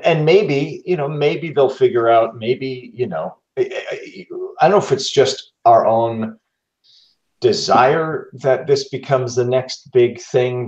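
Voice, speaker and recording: A man speaking as a guest voice actor in a reflective interview, halting and thoughtful, repeating words as he searches for the next phrase. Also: medium pitch, a little mellow, roomy sound, highs cut off.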